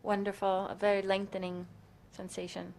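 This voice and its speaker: A woman's voice: mid-range voice, completely flat delivery, normal speed, gravelly, a little mellow. A woman lying on a treatment table as the client, giving a brief answer to her instructor. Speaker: demonstration client.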